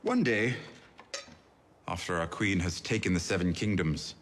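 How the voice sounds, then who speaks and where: An actor playing a witty, wine-loving lord advisor who tells jokes with a wry, theatrical manner. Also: male voice, low-pitched, unhurried, big-room sound.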